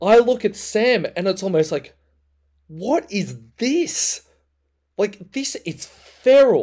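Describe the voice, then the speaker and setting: This voice has a dark, mellow tone and an Australian accent. It moves at a very slow pace with lively intonation. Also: man, high pitch for a man. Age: 30s. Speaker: podcast co-host. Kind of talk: casual chat.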